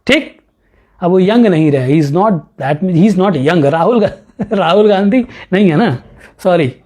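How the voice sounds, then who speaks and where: A male professor giving a lecture on a classical astronomy text. He reads verses slowly, then explains them with rhetorical questions and chuckling asides. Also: high-pitched, expressive, darkish tone.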